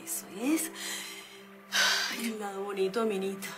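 A woman's voice: mid-range voice, normal speed, music in the background, lightly acted. An actress playing a flustered, stressed woman with a Venezuelan accent in a TV comedy-drama. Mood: self-soothing. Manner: flustered and exclamatory, talks herself calm. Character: frazzled woman on New Year's Eve.

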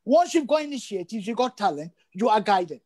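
A man's voice: high voice, very animated, fairly quick, darkish tone. Older man, emphatic on a video call. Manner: emphatic, repeats phrases for stress. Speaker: guest. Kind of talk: interview over video call. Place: indoor room at home.

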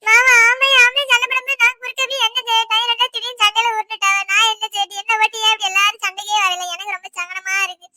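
A performer voicing a tearful young pregnant village wife in a cartoon, pleading in a Tirunelveli Tamil accent. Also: female voice, very high-pitched, flat delivery, rapid-fire, pushed and bright, dry recording, clean studio sound, soft background music, full character voice. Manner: pleading, whiny.

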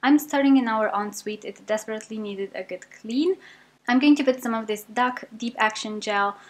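A young British woman talks through her cleaning routine in a casual, upbeat voice-over. Her voice sits a little high, and she fills her pauses with relaxed ums. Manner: chatty, upbeat, many ums. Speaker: cleaning vlogger.

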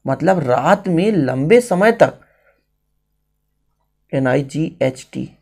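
A man's voice: on the high side, darkish tone. An Indian man teaching a writing lesson step by step, repeating phrases and switching languages as he explains each one.

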